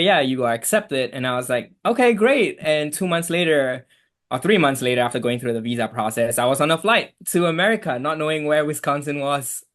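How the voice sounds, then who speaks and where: A man's voice: mid-range voice, a bit bright. A young man from Malaysia with a Malaysian accent, a guest on an interview podcast, talking easygoing and chatty with many fillers. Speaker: guest, immigration attorney. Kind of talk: casual interview.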